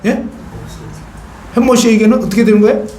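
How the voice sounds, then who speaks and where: A man's voice: very high-pitched, fairly even intonation, a little fast, dark tone. Man preaching in a roomy church. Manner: questions the congregation and asks for answers; conversational and playful, acts out little scenes. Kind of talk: sermon.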